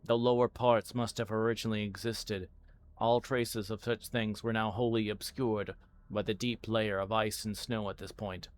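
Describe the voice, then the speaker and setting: Low-pitched man reading a story aloud. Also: level tone, moderate pace. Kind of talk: live audiobook-style story reading.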